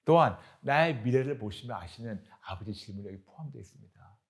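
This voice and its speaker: A male pastor preaches in an earnest, steady manner, reading scripture aloud. His voice sits at an ordinary middle pitch. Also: quick pace. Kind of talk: sermon.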